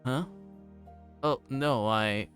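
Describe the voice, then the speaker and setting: A man voicing an earnest, loyal teenage boy who speaks haltingly and defensively in a visual novel read-through. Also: mid-range voice, a bit bright, faint music behind. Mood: flustered.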